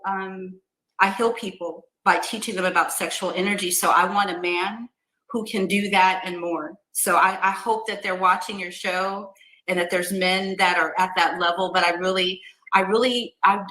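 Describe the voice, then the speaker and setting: A woman's voice: on the low side, bright, forceful tone, reverberant, poor audio. A woman in her fifties answering interview questions in casual talk, earnest and often restarting her sentences. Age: 50s. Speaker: podcast guest.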